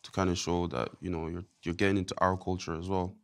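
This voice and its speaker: A young man from Ireland chats as a guest in a casual interview. He talks quickly in a fairly low voice, rambling and laid-back, with plenty of fillers. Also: flat delivery.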